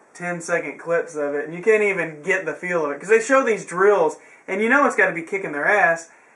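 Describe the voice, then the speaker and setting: A man with a Southern US accent uses a raised, projected voice, talking fairly quickly at a high pitch. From US South. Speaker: wrestling vlog co-host. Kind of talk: casual chat.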